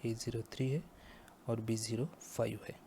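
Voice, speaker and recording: A male teacher slowly explaining a maths lesson step by step, often stopping to ask the class if it is clear. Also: mid-range voice, flat delivery, dark tone, slight background noise. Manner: slow, explains step by step and checks understanding. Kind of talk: math lecture.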